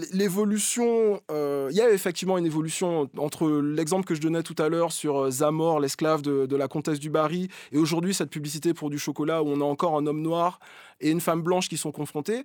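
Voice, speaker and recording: An ordinary speaking voice with ordinary pitch variation goes at a fairly quick pace on a very clean recording with a silent background. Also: man, fairly high pitch for a man. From Martinique. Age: 30s. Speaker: podcast co-host. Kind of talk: casual chat.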